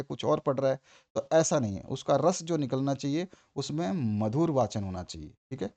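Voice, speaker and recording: A man's voice: on the high side, darkish tone. A man teaching an exam-prep lesson. He goes over each point more than once, checks in with "theek hai", and stresses words hard when he acts out examples.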